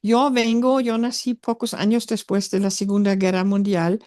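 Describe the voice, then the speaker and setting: A woman's voice: medium pitch, level tone, moderate pace, darkish tone, dry recording. Older German-born woman as an interviewed author, thoughtful and hesitant with many fillers, dry close recording. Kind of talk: reflective interview conversation.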